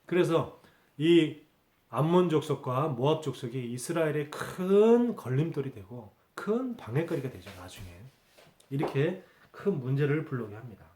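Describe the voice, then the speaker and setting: Male pastor, higher voice, Sunday sermon, repeats key words, reverberant hall. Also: darkish tone. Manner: rhetorical questions answered himself, repeats key words. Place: church sanctuary.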